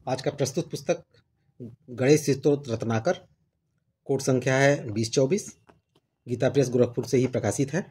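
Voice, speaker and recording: A man talks through a devotional book for his channel, explaining what is in it and reading parts aloud. His voice is husky and sits at a middle pitch. The delivery is casual and explanatory. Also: normal speed, pauses often, warm tone. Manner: explanatory, conversational, reads passages aloud. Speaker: channel host reviewing books. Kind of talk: casual book review talk.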